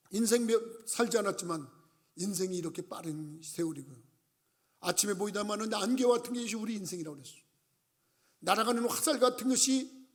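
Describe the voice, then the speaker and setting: An older man, a senior pastor, preaching a sermon with animated storytelling and acted-out shouts. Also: sits high.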